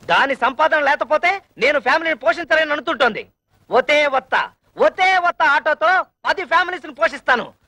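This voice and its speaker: A lisping blowhard husband. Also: male voice, extremely high pitch, expressive, normal speed, bright, forceful tone, no room sound, full character voice. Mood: boastful. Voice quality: lisping childlike speech. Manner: boastful, blustering. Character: boastful lisping man, an auto driver. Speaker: auto driver husband. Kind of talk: film comedy acting.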